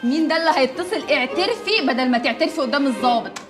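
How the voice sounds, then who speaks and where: High, quick, teasing work friend, faint score under. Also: female voice, lively intonation. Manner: teasing, nosy. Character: teasing woman teacher friend. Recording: TV drama with faint music.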